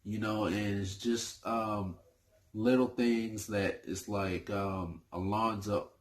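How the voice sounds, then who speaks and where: Slow-talking man, hesitant movie chat. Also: fairly low pitch, steady tone. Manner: hesitant, full of fillers and restarts. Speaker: movie review YouTuber. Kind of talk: casual movie talk.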